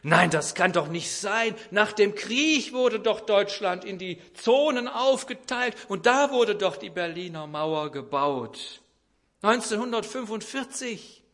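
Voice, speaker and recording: A man's voice: high voice, very animated, moderate pace, hardly any pauses, voice pushed up. A man voicing an indignant middle-aged housewife who insists and snaps back in a quarrel with her husband. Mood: insistent.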